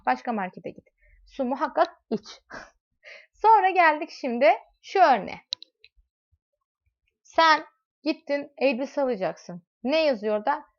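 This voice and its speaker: A woman teaching a math lesson, explaining with everyday examples and asking her students questions as she goes. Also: high-pitched. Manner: talks directly to students in second person. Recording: dull lo-fi recording.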